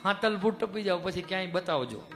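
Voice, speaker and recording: A man's voice: sits high, animated, a little fast, fairly bright tone, soft background music. A man leading a folk storytelling sermon as a temple head, speaking in an earnest, homely way full of village sayings. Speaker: temple head giving a satsang.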